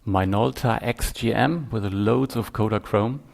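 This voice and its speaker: Deep gravelly German-accented man. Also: measured pace, a little mellow. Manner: thoughtful, hesitant, with many ums. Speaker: guest photographer. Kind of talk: podcast interview.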